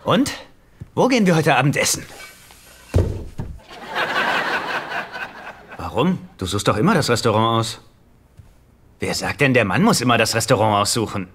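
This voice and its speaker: An animated male voice of medium pitch as a naive, easygoing rich sitcom character played by an actor. He sounds good-natured and guileless, on a soundtrack with loud noise and laughter. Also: fairly quick, natural voice. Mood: puzzled, earnest. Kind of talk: dubbed sitcom acting.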